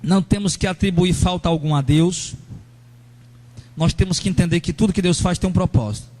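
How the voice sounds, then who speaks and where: A man preaching a sermon as pastor, animated and talking straight to members of his congregation. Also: high-pitched, a little fast. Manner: animated, acts out angry church members in a raised voice; addresses congregation members directly.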